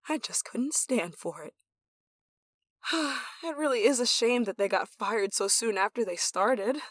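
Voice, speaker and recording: A woman's voice: on the high side, dry recording. Woman acting an obsessive, possessive yandere lover, close-up. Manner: breathy sighs and chuckles, dropping to whispers. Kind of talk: intimate ASMR roleplay acting.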